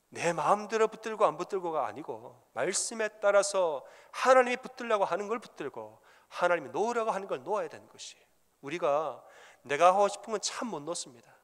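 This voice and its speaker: Emphatic preacher in a reverberant church. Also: male voice, sits high, a bit bright. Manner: emphatic, repetitive preaching with storytelling. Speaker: pastor. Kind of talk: sermon. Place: church sanctuary.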